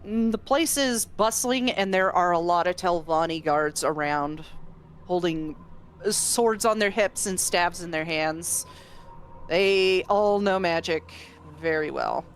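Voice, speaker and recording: A woman narrating a tabletop game as game master, relaxed and descriptive. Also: on the low side, slow, a little hiss or hum.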